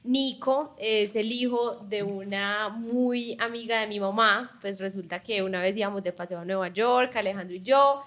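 A woman's voice: mid-range voice, normal speed, few pauses, fairly bright tone. A woman from Colombia speaking with a Colombian accent, co-hosting a podcast in a chatty, conversational way. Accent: Colombian Spanish. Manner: chatty, storytelling introduction. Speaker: podcast co-host. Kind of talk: casual conversational interview.

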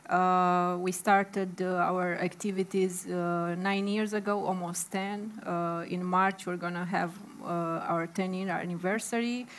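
A woman with a Romanian accent speaks informally on a panel. Her voice is a little low, and her intonation stays very flat and even. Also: unhurried, few pauses, slight background noise. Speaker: panel guest, association representative. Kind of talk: informal self-introduction at a panel.

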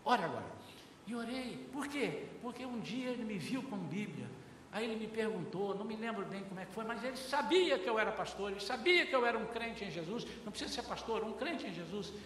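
High-voiced Brazilian pastor preaching in an echoey hall. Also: male voice, fairly quick, slight background noise. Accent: Brazilian Portuguese. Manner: lively, acts out dialogues, often addresses the congregation as brothers. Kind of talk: sermon. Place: large church hall. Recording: very echoey hall, heard from far off.

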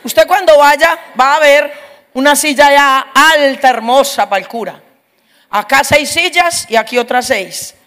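A middle-aged woman preaches a humorous testimony in a high voice. She tells her story with lively energy and acts out the voices of the people in it. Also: unhurried.

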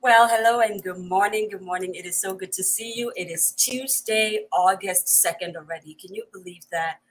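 Lady doing a chatty livestream, bit husky, super effusive, says stuff twice. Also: medium pitch, moderate pace, low-quality recording. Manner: effusive, repeats phrases, greets in many languages. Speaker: host of a live online show. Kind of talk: chatty livestream greeting of viewers.

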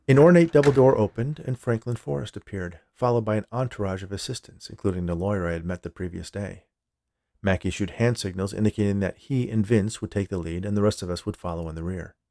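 A man's voice: fairly low pitch, creaky, darkish tone, dry recording, clean studio sound. A man narrating a scripted short story as the storyteller. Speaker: writer and narrator of a fiction podcast.

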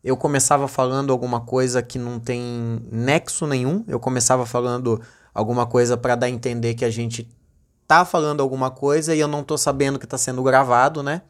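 A man hosting a casual solo podcast, rambling and joking, swinging between low mumbles and excited high bursts. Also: fairly quick. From Brazil. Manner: rambling, joking, addresses his dog as co-host. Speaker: podcast host.

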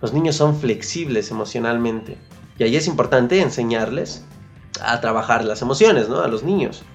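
Mexican podcast host hyping you up, says stuff twice, slangy, soft music underneath. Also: mid-range voice, animated, moderate pace. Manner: coaching, repeats key phrases, colloquial slang. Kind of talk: motivational podcast monologue.

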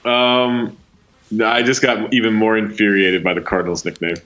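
A man's voice: lowish voice, little pitch movement, moderate pace, fairly bright tone, poor audio. A man co-hosting a casual sports podcast, ranting and exasperated, swearing now and then. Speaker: podcast co-host.

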